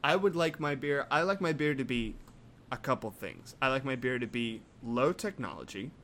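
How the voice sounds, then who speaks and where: Guy ranting half joking, mid pitch, lil background hiss. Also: animated, normal speed, fairly bright tone. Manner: incredulous, rambling, mock-outraged. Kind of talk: casual comedic chat.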